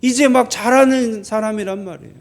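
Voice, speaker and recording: A man's voice: very high-pitched, brisk. A male pastor preaching a sermon in a church, conversational and full of questions to the congregation. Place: church sanctuary.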